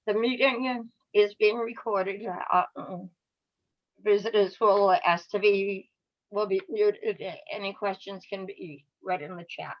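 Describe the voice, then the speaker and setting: Woman, Boston-area accent, allergy-strained voice, very slow, hesitant, dull video call audio. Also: medium pitch, fairly even intonation. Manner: hesitant, restarts often. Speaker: meeting chair. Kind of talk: chairing a town meeting.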